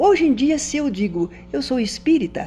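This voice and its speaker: A high-pitched woman at a fairly slow pace, with music in the background. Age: 80s+. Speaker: spiritist leader and writer. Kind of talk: TV interview.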